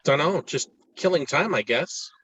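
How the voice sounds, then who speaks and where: A man's voice: a little high, animated, unhurried, fairly bright tone, husky, no room sound, lo-fi sound, full character voice. A man reading an earnest, awkward, bookish new-kid boy in a screenplay table read, with hesitant, informative delivery. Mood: eager, awkward.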